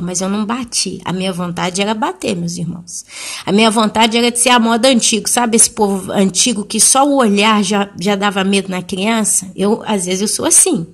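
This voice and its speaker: A woman in her thirties or forties tells a personal testimony to her congregation, telling the story vividly. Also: medium pitch. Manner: animated, acting out the people she quotes. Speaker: church speaker giving a testimony.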